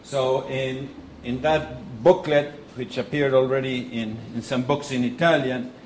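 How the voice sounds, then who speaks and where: A middle-aged man from Argentina with an Argentine Spanish accent, giving a conference lecture in a measured way with pauses and restarts. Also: medium pitch, steady tone, a little mellow. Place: conference hall. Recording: echoey hall with faint noise.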